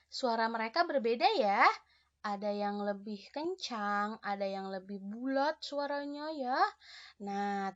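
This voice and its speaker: Woman teacher talking to little kids, soft and encouraging, kinda high voice, muffled lo-fi sound. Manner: gentle, encouraging, addresses pupils warmly with many "ya" and "nah". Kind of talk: online lesson for children.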